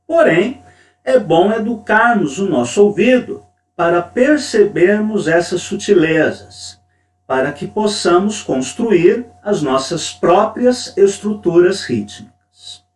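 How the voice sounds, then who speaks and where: A male teacher with a fairly high, lively voice explains poetic rhythm at an unhurried, deliberate pace. He picked up by a distant mic in an echoey room. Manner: slow, deliberate, stresses syllables when reading verse. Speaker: creative writing teacher. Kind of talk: lecture on poetry.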